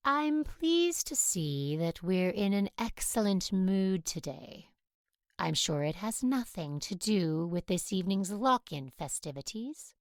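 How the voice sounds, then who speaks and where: An actress playing a stern, formal Catholic school nun with a measured, disapproving manner in an audio drama. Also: female voice, mid-range voice, sing-song, dry recording, clean studio sound. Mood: dryly disapproving.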